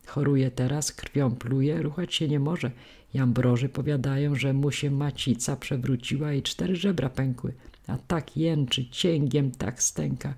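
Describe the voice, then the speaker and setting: A woman voicing a sharp-tongued old village gossip woman, scolding in folksy peasant speech. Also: very deep voice, fairly even intonation, measured pace, husky, full character voice. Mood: spiteful.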